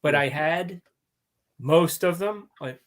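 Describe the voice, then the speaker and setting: A man's voice: fairly high pitch, slow pace. A man co-hosting a casual movie podcast who talks in a chatty, enthusiastic way. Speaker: podcast co-host.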